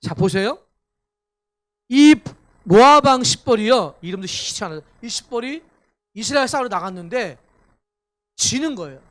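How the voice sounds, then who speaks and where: Very high-voiced Korean male preacher. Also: expressive, normal speed, fairly bright tone. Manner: preaching with Bible readings and questions to the congregation. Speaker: pastor. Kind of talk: sermon. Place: church sanctuary.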